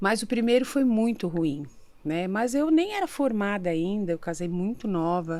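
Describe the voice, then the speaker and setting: Her voice, a woman's at medium pitch with a dark, mellow tone, moves at a fairly slow pace through very wide pitch swings. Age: 60s. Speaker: psychologist. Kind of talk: interview conversation.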